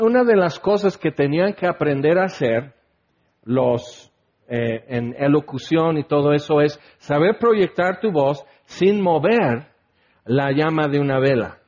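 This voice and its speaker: A man with a Mexican accent preaching in a relaxed, conversational way. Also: fairly high pitch. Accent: Mexican Spanish. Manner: conversational, acts out quoted people with a raised voice. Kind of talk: casual Bible teaching. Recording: dull lo-fi recording.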